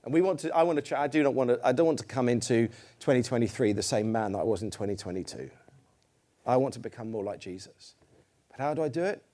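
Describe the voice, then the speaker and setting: A man's voice: medium pitch, lively intonation, quick pace, dark tone. A middle-aged man preaching a sermon in a church, conversational and self-deprecating, putting questions to the congregation.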